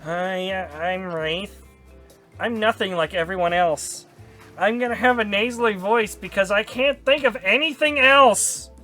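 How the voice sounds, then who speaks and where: A man's voice: high voice, unhurried, sharp tone, soft background music. A man voicing a sullen young male ghost with a nasal, whiny voice. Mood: glum.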